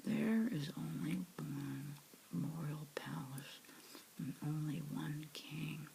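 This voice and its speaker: A gloomy, discouraging palace guard from a storybook, whispered by a woman. His words come slow and low in a gravelly whisper. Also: steady tone, dark tone, a little hiss or hum, full character voice.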